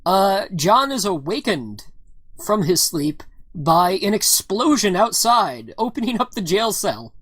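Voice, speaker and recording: A woman's voice: mid-range voice, big pitch swings, a little slow, slightly rough, no room sound. A woman narrating as game master of a tabletop game, casual and often laughing, with many "all right"s and "uh"s.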